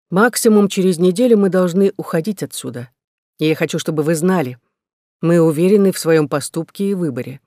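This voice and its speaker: A man's voice: fairly high pitch, a little mellow, no echo, studio quality, close to an everyday voice. A man voicing a determined young woman settler, speaking earnestly and persuasively.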